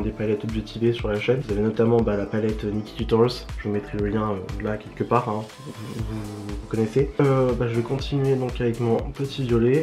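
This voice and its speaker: A man chatting casually through a makeup tutorial, joking and filling pauses as he works. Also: medium pitch, a little mellow. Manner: chatty, joking, lots of fillers. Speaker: beauty vlogger.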